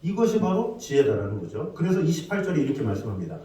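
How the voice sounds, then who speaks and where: Male pastor, children's sermon, lively delivery, dark tone, distant mic in a booming church hall. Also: fast talker. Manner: acts out story voices, asks the congregation questions. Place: church sanctuary.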